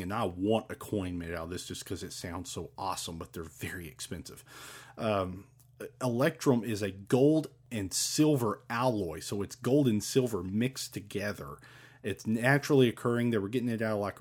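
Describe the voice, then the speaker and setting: A man's voice: on the low side, darkish tone. A man talking casually and eagerly, rambling with many fillers and restarts as he explains. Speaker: podcast host talking about ancient coins.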